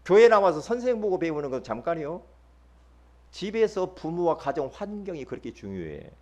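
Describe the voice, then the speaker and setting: Middle-aged male pastor, high and very lively delivery, emphatic sermon with sudden loud peaks and hushed drops. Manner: emphatic, swings from loud bursts to low murmurs; acts out quoted church members in quick asides.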